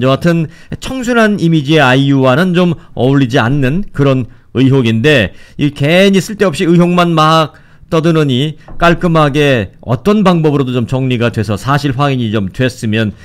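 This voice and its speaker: A man's voice: mid-range voice, clear, resonant tone. A man hosting a radio news show in a conversational way, commenting and putting questions to a reporter. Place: radio studio.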